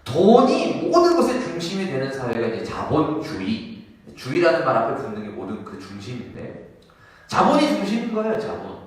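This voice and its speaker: A man's voice: mid-range voice, huge pitch swings, moderate pace. A male pastor preaching a sermon in a church, animatedly asking and answering his own questions. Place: church sanctuary. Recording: echoey hall, mic far off.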